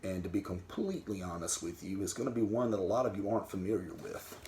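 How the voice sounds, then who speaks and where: A man's voice: low voice, animated, quick pace, darkish tone, a little hiss or hum. A man talking to camera about his records in a candid, rambling way, swearing freely. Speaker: vinyl record vlogger. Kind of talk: casual talk to camera. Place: home den.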